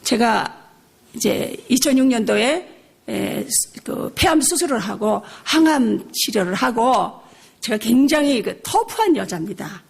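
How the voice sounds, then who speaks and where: An older woman missionary preaching a revival sermon, telling a personal story with lively acted-out dialogue and frequent laughter. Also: on the high side, unhurried, vocal fry, breathy edge. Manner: animated storytelling, acting out her own shouting; laughs often while preaching.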